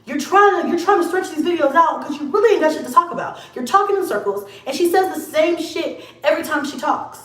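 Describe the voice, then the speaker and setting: A woman's voice: very high-pitched, animated, quick pace, hardly any pauses, a bit bright. A young adult woman on her own channel, ranting bluntly and with heavy profanity straight at a rival. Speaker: YouTuber. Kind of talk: confrontational vlog rant. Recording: echoey room, mic at a distance.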